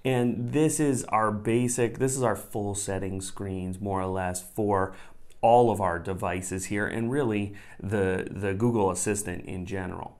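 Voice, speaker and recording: A man's voice: fairly low pitch, steady tone, unhurried, a little mellow. A man, hosting a conversational step-by-step tech tutorial and rephrasing his instructions as he goes. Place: small indoor room at a desk.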